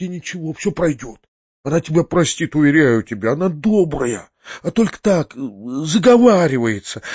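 A timid, good-natured uncle pleads and frets, as a man reading the book plays him. His voice runs a little high and turns hushed in his asides. The recording is dry and slightly muffled. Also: dry recording. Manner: pleading, flustered, whispering asides. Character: timid, kindly middle-aged uncle, easily frightened.

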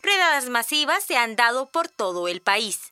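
A woman reading a formal news bulletin in a crisp, formal way. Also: fairly high pitch, sing-song, normal speed, bright, forceful tone, faint music behind. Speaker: newsreader.

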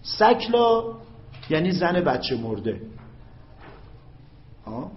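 A man teaching Arabic grammar in a classroom lecture, stretching out his example phrases in a slow, drawn-out chant and checking often whether his students follow. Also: big pitch swings, a little hiss or hum. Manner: checks understanding with quick questions to students. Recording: echoey, dull low-fi classroom recording.

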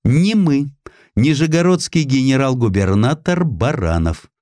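Man acting an evasive government minister, pitched up. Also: lively intonation, a little slow, a little mellow, dry recording, clean studio sound, close to an everyday voice. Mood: defensive. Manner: short, deflecting replies, higher than narration. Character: evasive male government minister answering the Tsar.

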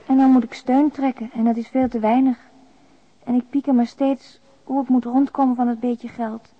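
Actress as a weary, subdued single mother, higher-pitched. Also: little pitch movement, moderate pace, close to an everyday voice. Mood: weary, resigned. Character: weary, despairing young single mother confiding by letter. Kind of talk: radio drama monologue, letter voice-over. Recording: dull, lo-fi radio drama recording.

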